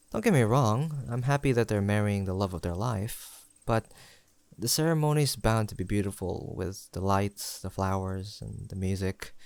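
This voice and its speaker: A young man acting an affectionate, teasing best friend in an intimate audio roleplay, chatting in a gentle, playful and sincere way. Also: on the low side, no echo, close to an everyday voice. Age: young adult.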